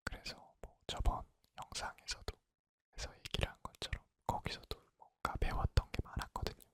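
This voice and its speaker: A man in his twenties whispering a personal story in a soft, intimate, conversational ASMR style. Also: brisk. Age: 20s. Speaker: ASMR creator.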